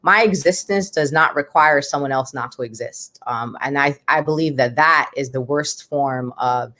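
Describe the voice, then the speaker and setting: Deep-voiced passionate woman. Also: normal speed, pushed and bright. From United States. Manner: passionate, emphatic. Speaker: guest. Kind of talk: podcast interview.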